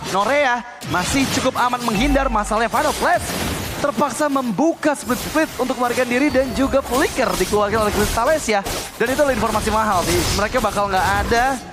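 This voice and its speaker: Man, Indonesian accent, high pitch, fighting game announcer manner, excited play-by-play, prominent background music. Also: fairly quick. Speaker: esports shoutcaster. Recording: loud music behind the voice.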